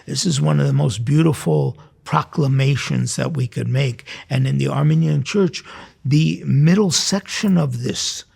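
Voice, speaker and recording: Husky, gravel-voiced priest hosting a devotional. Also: male voice, mid-range voice, a little slow, a little mellow. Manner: conversational, addresses listeners directly with questions. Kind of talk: informal spoken sermon to listeners. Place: recorded in a cathedral choir loft.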